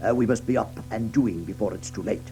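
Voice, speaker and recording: A man playing a stern, solemn badger in a children's audio drama, speaking with deliberate, commanding authority. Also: lowish voice, mellow, faint music behind, close to an everyday voice. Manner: deliberate, commanding, hesitating with gruff uhs.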